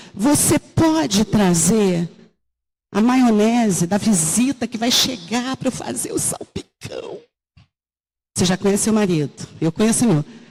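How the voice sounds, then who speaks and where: A woman's fairly high, somewhat breathy voice at a fairly slow pace, with very wide pitch swings. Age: 60s. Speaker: preacher. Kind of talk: sermon.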